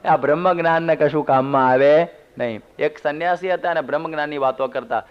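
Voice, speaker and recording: Male monk, sermon delivery, folksy storyteller, smooth clear tone, muffled lo-fi recording. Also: fairly high pitch, brisk. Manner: storytelling, homely humorous asides. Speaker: monk giving a religious discourse. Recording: dull lo-fi CD recording.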